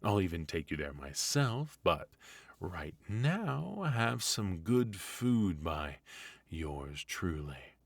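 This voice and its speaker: Man playing a deep-voiced, playfully sinister retired villain husband. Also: very animated, creaky, dry recording, full character voice. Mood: tender, sly. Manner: teasing, theatrical, conversational with pauses and chuckles. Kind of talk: ASMR roleplay, comedic monologue to listener.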